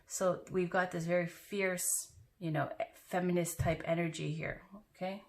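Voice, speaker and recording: A woman's voice: lowish voice, level tone, measured pace, slight background noise. A woman giving a casual, chatty tarot reading to her viewers, with loose asides and fillers. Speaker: tarot reader.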